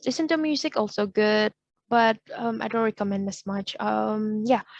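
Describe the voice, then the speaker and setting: Against a quiet background, a woman with a fairly high pitch is heard in a dry, close sound with no echo. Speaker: newscasting trainer. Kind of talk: training class Q&A.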